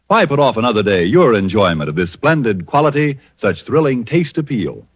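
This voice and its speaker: A man announcing in a 1940s radio show, reading a smooth, persuasive sponsor pitch. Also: big pitch swings, brisk. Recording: dull old radio broadcast.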